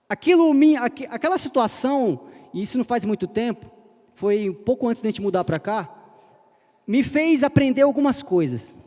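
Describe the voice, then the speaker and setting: A man's voice: very high-pitched, mellow. A man preaching a sermon, telling a personal story in a conversational way. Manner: conversational, retells a personal story acting out short quotes. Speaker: pastor. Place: church hall. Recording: long hall reverb.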